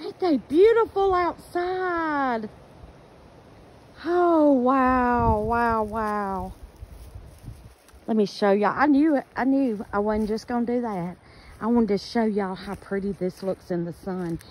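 With dry sound and no echo, a woman speaks at a high pitch and a fairly slow pace, with very wide pitch swings and long, frequent pauses. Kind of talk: casual vlog chat. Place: garden. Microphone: phone near.

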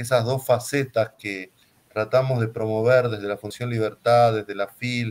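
Delivery is monotone and flat, at a fairly slow pace. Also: man. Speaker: host of the event. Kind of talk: introduction of a guest. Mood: warm, admiring. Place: home room.

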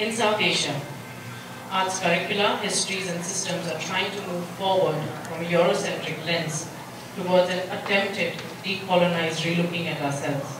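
A woman's fairly low voice at a moderate pace with fairly even intonation, audible room echo and music in the background. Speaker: event host. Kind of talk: formal introduction. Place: hall.

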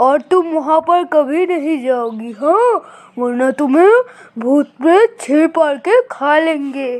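Doing a cartoonish character voice, a woman speaks fairly slowly at a high pitch. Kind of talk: storytelling dialogue. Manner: gentle, warning, reassuring.

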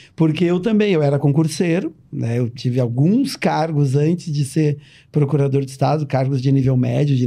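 A somewhat breathy man's voice, fairly high in pitch yet dark and mellow, at a moderate pace against a quiet background. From Porto Alegre, southern Brazil; Rio Grande do Sul, Brazil. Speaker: state attorney. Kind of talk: casual panel discussion. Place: studio. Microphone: studio mic.

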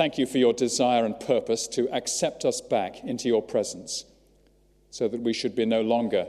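In a quiet background, a man talks at a moderate pace. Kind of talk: prayer. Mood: reverent, calm. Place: church.

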